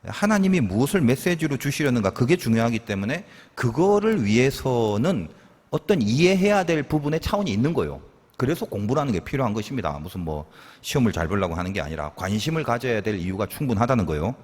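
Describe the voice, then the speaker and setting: A male pastor delivers a sermon in a relaxed, teaching way, posing questions to the congregation and answering them himself. His voice is husky and swings widely in pitch. The sound carries the long reverb of a church hall. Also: fast. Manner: conversational teaching with rhetorical questions and asides.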